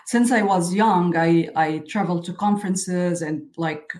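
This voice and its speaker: A woman in her thirties who grew up in Egypt answers interview questions about her career. Her voice sits on the low side, and she speaks earnestly, filling her sentences with "like". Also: a little slow, a little mellow. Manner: frequent "like" fillers, earnest. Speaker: software engineer guest.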